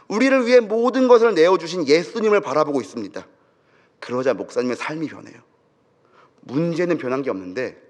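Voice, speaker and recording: Korean pastor preaching in a reverberant sanctuary. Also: male voice, fairly high pitch. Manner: dramatic storytelling, quoting prayers with feeling. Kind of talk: sermon storytelling. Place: church sanctuary. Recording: church hall with long reverb.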